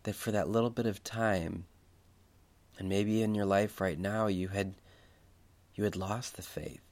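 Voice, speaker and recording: A man speaking as a preacher leading a guided Christian meditation, reflective and unhurried, repeating phrases for emphasis. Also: fairly low pitch, steady tone, a little mellow.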